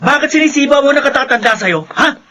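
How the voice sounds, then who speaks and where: A man's voice: very high-pitched, lively intonation, fast talker, background noise. A young actor playing a hot-tempered but caring son who stands up for his mother in a TV drama. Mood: angry. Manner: confrontational, scolding. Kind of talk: TV drama acting.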